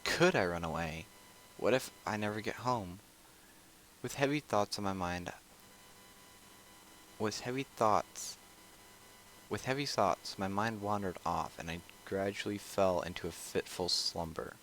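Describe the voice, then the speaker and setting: A man reading a visual novel aloud with casual asides, often stumbling, repeating phrases and clearing his throat. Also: lowish voice, measured pace, long pauses, a little hiss or hum, poor audio. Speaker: let's player reading a game aloud. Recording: loud music over the voice. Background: loud game music.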